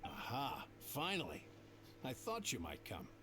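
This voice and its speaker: An actor playing a shifty, greedy male merchant in a game, talking smoothly and evasively. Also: medium pitch, wildly swooping pitch, a little slow, noisy background. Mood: scheming. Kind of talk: game voice acting.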